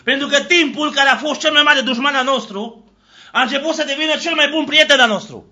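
A man with a very high, piercingly bright voice delivers a fiery sermon. He shouts exclamations of praise and fires off questions that he answers himself. Between bursts he drops into low, hushed passages. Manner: shouting exclamations of Hallelujah, call-and-response questions. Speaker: preacher. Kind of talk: fiery Pentecostal-style sermon.

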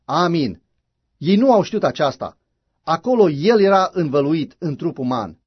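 A man preaches with fervent, emphatic conviction, his somewhat high voice husky and breathy. The recording is dull and lo-fi, with a dry, close sound. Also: animated, no room sound. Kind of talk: sermon.

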